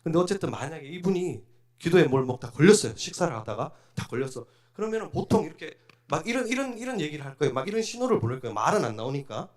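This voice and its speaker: A man's voice: fairly high pitch, big pitch swings, fast, darkish tone, roomy sound. A man leading a hands-on first aid demonstration for a live group, instructive and repetitive as he talks the group through each step. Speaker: fire safety instructor. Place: hall of a place of worship.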